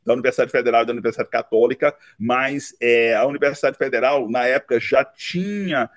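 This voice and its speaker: In a dry, clean studio recording, a medium-pitched man from Recife, Brazil, in his 50s recounts his life story. A law professor and interview guest, he talks slowly in this relaxed autobiographical interview, peppering his speech with "né" tags and restarts.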